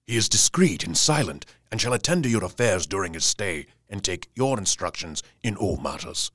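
An actor playing a gout-plagued, deferential solicitor reading out his formal letter in an audio drama, with a husky voice. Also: low-pitched, big pitch swings, moderate pace, a bit bright, dry recording, studio quality, exaggerated voice. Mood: formal, regretful.

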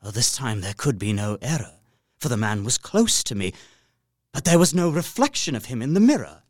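A man's voice: medium pitch, very animated, normal speed, no room sound, studio quality. An actor playing a polite, observant and uneasy young solicitor, narrating his journal earnestly and precisely in a gothic audio drama. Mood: alarmed. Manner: precise, earnest, theatrical storytelling.

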